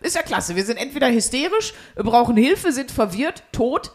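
A woman's voice: a little high, big pitch swings, moderate pace, a little mellow. A woman hosting a podcast in casual chat, with an ironic, joking way of talking. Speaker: podcast host.

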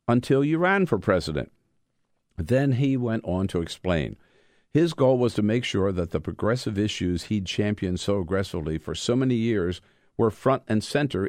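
A man who is an author reading from his own book, mixing measured, emphatic delivery with informal storytelling. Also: on the low side, a little mellow, no room sound, studio quality.

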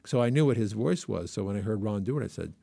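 A man's voice: lowish voice, expressive, quick pace, vocal fry, warm tone, husky, no echo. A man co-hosting a podcast, talking casually and rambling with frequent restarts. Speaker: podcast co-host. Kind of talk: casual chat.

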